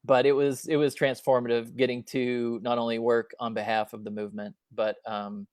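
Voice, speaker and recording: A man telling a personal story as a guest speaker at an online talk, halting with many fillers and restarts, over a video call. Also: fairly low pitch, dry recording, clean studio sound.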